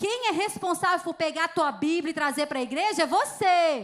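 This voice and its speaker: With a Minas Gerais accent, a woman speaks at an extremely high pitch with lively intonation. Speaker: preacher. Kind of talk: sermon. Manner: animated.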